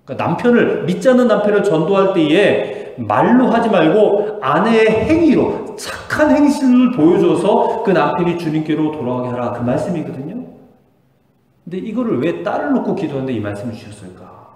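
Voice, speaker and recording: Korean pastor preaching in echoing church. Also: male voice, sits high, very animated, moderate pace. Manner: earnest preaching with emphatic rises and soft drops. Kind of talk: sermon. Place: church sanctuary. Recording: long hall reverb in a church.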